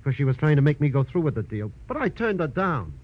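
Small-time crook: American, higher register, whiny and shifty, slangy; 1940s radio thriller, muffled recording. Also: male voice, sing-song, quick pace. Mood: whining, defensive. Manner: whining, slangy gangster talk. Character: shifty, whining little male crook, paroled. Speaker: radio drama actor. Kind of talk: 1940s radio crime acting. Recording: dull old radio recording.

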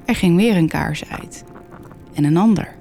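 Low, mellow female horror narrator. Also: unhurried, vocal fry, soft background music. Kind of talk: scripted horror story narration.

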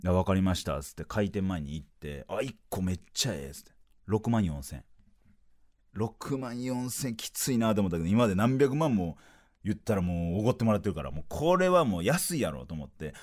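This solo podcast storyteller is a male comedian in his 30s who speaks with a Kansai Japanese accent. He has a low voice with lively swings and animatedly performs bits of dialogue in rapid bursts.

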